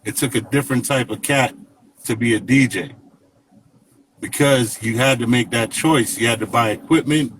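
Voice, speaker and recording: A man in his fifties from Jamaica, telling stories as an interview guest in a relaxed, rambling way, full of fillers. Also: mid-range voice, normal speed, a little hiss or hum, rough recording. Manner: relaxed, rambling, many fillers and "you know what I mean". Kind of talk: casual interview storytelling.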